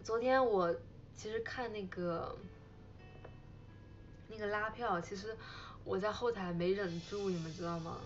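A woman's voice: mid-range voice, measured pace, long pauses, muffled recording, soft background music. A young woman hosting a casual livestream, rambling with many fillers, thanking viewers for gifts and breaking into giggles as she tells a story. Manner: bursts into giggles while retelling. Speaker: idol livestream host. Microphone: phone livestream.

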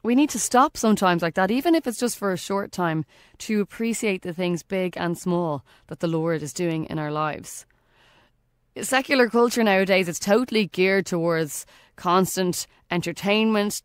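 An Irish woman hosts a faith podcast, reading a scripted reflection in an earnest voice that leans into the key phrases. Her pitch sits in an ordinary middle range. The sound is dry and close, with no room echo. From Ireland. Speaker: podcast host.

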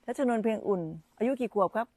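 A woman's voice: a little high, steady tone, quick pace, a little mellow. A woman meditation teacher giving an informal dharma talk on a live stream, chatty and repeating her phrases as she talks with children around her.

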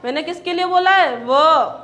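A woman's voice: very high voice, normal speed, a bit bright. A woman teaching a lecture, sounding out each syllable again and again and asking her students questions before she answers them herself. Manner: repeats sounds and asks the class questions. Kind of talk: classroom lecture.

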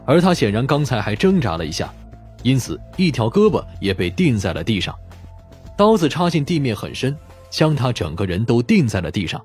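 A man's voice: mid-range voice, big pitch swings, a little fast, a little mellow, slightly rough, soft background music. A man reading a crime novel as a scripted, dramatic audiobook narration.

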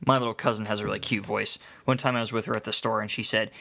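A chatty young man in his twenties introduces his voice reel from a small home studio. His voice is bright and clear, close on a condenser mic. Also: lowish voice, steady tone, quick pace. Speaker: voice actor. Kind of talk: demo reel narration. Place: small bedroom studio, indoors. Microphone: studio condenser mic, headphones.

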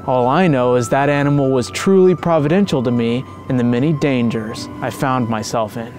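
A man's voice: mid-range voice, normal speed, a little mellow, faint music behind, close to an everyday voice. A man voicing a kindly, trusting priest who talks cheerfully in a spoken storybook.

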